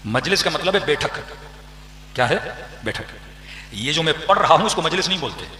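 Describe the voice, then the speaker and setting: A preaching man, his voice high and ringing bright. He keeps tossing questions out to the crowd and answering them himself, pressing each point with emphasis. The sound carries a long, roomy echo from the hall. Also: sing-song, moderate pace, a little hiss or hum. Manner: rhetorical questions to the audience, emphatic build-ups. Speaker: cleric giving a majlis address. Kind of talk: religious sermon. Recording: echoey hall with long reverb.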